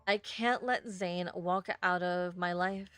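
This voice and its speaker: A woman's voice: fairly low pitch, fairly even intonation, slow, a bit bright, smooth, no echo, faint music behind. A woman streamer reading a first-person story aloud expressively, sometimes stumbling over words and rereading them.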